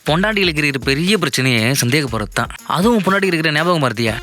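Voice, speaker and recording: Guy playing a teasing buddy, fast lively talk, bright sharp voice. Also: on the high side. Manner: teasing, offhand. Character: carefree male friend, teasing. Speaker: friend. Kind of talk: comedy web series acting. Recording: music bed under dialogue.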